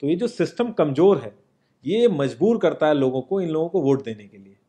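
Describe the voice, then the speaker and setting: An earnest young man speaks straight to the viewer in an informal, persuasive monologue. His voice sits a little high but has a warm, mellow tone. He is seated indoors, recorded on an off-camera mic. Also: big pitch swings, brisk. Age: young adult. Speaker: social commentary presenter. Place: indoor home studio, seated.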